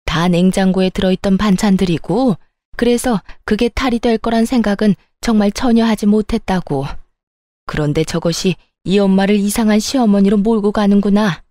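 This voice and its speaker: Woman playing a nagging older mother-in-law, scolding and wailing, mellow tone, dry sound, storybook reading. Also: mid-range voice, normal speed, no echo, natural voice. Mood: fake wailing. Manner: scolding, then fake wailing. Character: scheming shrill older mother-in-law, self-pitying.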